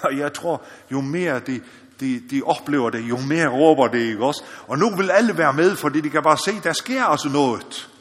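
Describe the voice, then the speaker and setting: A man from the Faroe Islands preaching a sermon in an earnest, searching way, often checking in with his listeners and building up to loud calls. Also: medium pitch, animated. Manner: earnest, repeats "ikke også?", rises to loud exhortation. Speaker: missionary preacher. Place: church or meeting hall. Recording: long hall reverb.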